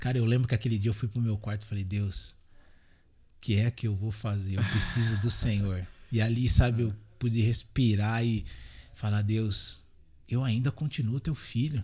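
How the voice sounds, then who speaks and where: A man talks at a moderate pace and medium pitch, with long, frequent pauses and fairly even intonation. His tone is dark, mellow and somewhat breathy, on a very clean recording with a silent background. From interior of São Paulo state, Brazil. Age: 40s. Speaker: former professional footballer, coach. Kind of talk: testimony in casual interview.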